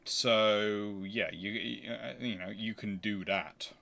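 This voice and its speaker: A man hosts a casual, unscripted question-and-answer commentary, thinking aloud haltingly and growing emphatic as he explains. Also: lowish voice, steady tone, vocal fry, pushed and bright. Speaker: history channel host answering viewer questions.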